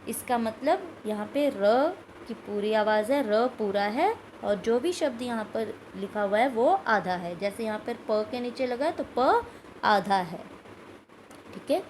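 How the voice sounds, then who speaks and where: A woman's voice: on the high side, darkish tone, slight background noise, rough recording. A woman teaching a recorded school Hindi lesson, explaining step by step and repeating words and sounds aloud. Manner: asks questions of pupils, adds "ठीक है" often.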